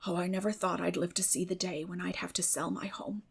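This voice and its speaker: A woman's voice: lowish voice, steady tone, brisk, vocal fry, breathy edge. A woman voicing a weary, bitter older farm woman in an audiobook, speaking in plain rural phrases with sad resignation. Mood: sorrowful, resigned. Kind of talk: dramatic audiobook reading.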